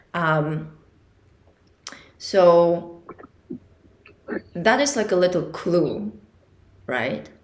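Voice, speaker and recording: A woman's fairly low voice moves at a very slow pace, broken by long, frequent pauses. Her intonation is lively, and room echo is audible. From Vietnam, raised in Czech Republic from childhood. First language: Vietnamese. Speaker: podcast host, interview guest. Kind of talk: casual interview.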